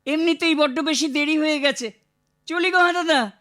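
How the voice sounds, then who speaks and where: Put-upon small boy, cartoon voice, extremely high-pitched, sharp bright tone, plaintive, stubborn. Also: normal speed. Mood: polite, stubborn. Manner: polite but stubborn, plaintive. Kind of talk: Bengali cartoon character dialogue.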